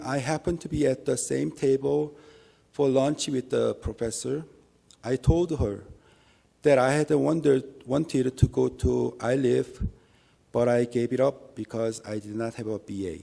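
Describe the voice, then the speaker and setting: A native Korean speaker with a Korean accent, a lay minister, gives an earnest church testimony in English. His mid-range voice is gravelly yet mellow, and his delivery is measured and halting with small restarts.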